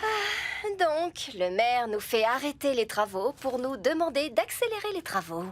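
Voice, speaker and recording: Builder woman: patient, explanatory, high-pitched, children's cartoon with music. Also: big pitch swings, unhurried. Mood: firm. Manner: explanatory, matter-of-fact. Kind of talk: French children's cartoon voice acting. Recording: music behind the voice.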